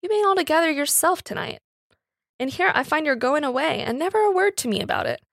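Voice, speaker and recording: Storybook suitor, played by a woman: honest tradesman, perplexed, plain-spoken, raised pitch, dry sound. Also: animated, quick pace, vocal fry, no room sound. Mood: perplexed, concerned. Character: straightforward, perplexed working-class cabinet maker, male lover.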